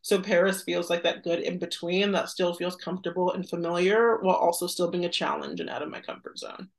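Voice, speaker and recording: A woman's voice: lowish voice, fairly even intonation, a little fast, vocal fry. A woman in her twenties with an American accent, talking casually and reflectively as a podcast guest, often dropping "like" into her sentences. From United States. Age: 20s. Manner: reflective, frequent "like" as filler. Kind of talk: casual conversational interview.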